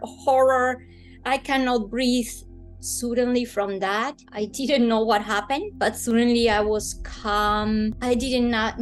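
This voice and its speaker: A woman with a Colombian accent, a native Spanish speaker, telling a personal story in an interview with expressive, dramatic emphasis. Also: on the high side, rough recording. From Bogota, Colombia.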